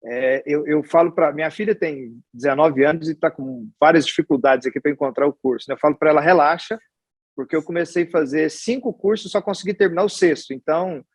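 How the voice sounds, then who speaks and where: A man in his forties from Goiás, Brazil, with a Goiás accent, chatting as an interview guest and telling his life story in a relaxed, rambling way. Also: on the high side, a little fast, slightly rough, dry recording. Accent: Goiás Brazilian Portuguese. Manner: chatty and storytelling, with many restarts and tag questions. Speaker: guest, hospital executive. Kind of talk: casual interview conversation.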